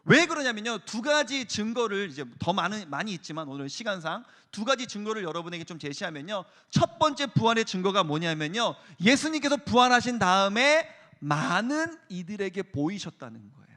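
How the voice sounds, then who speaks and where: A man in his thirties, a youth pastor giving a lively sermon to high school students and acting out story voices as he tells them. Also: brisk, few pauses. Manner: animated storyteller, acts out voices.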